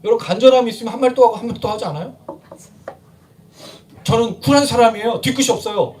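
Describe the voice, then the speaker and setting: A male pastor preaches in a church with a high voice, heard from a bit away from the mic. He keeps asking the congregation questions and slips into little acted-out prayers and scoldings. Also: fast, darkish tone, distant mic. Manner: conversational preaching with rhetorical questions; acts out quoted prayers and scoldings. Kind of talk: sermon. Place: church sanctuary.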